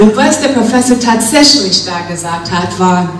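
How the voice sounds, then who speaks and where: A woman is speaking with audible room echo around her. Light background noise is also present. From English-speaking country, not Germany. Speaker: author. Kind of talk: book presentation speech. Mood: earnest, emotional story. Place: hall.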